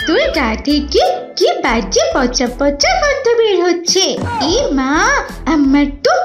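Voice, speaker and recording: Cartoon fox cub, little girl, extremely high voice, arrogant, whiny, scornful, roomy echo. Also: sing-song, slow pace, music in the background, exaggerated voice. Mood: scornful, disgusted. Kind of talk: cartoon voice acting.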